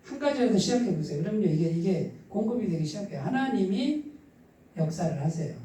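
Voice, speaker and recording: A male pastor with a husky, somewhat stifled voice preaches conversationally, putting questions to the congregation and answering them himself. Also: high voice, big pitch swings, brisk, warm tone. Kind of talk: conversational sermon. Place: church midweek service, echoing room. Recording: echoey church hall, distant mic.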